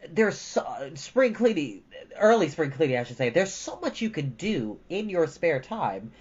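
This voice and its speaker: A storytime host with a medium-pitched voice, chatting casually and informally with rambling asides and reading from a storybook. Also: big pitch swings, measured pace, darkish tone, breathy edge. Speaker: host of a storytime livestream, reading a novel aloud. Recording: dull lo-fi audio with background music. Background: ambient background music.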